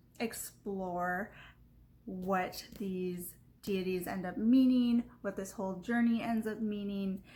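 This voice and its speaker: A woman speaks very slowly at a medium pitch, her tone dark and mellow. Her voice is somewhat breathy, and her intonation stays fairly even. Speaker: book reviewer. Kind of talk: book review monologue. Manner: hesitant, many fillers.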